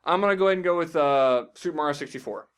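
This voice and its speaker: A man with a slightly high voice chats casually as a podcast co-host. He is blunt and informal, dropping swear words as he banters about games. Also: rapid-fire, a bit bright.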